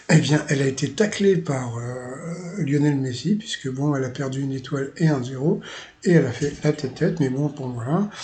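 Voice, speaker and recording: Chatty Parisian man, mellow tone. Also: fairly high pitch. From Paris, France. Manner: chatty and rambling, full of filler words, amused asides. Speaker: channel host recapping a TV quiz show. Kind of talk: casual spoken recap commentary.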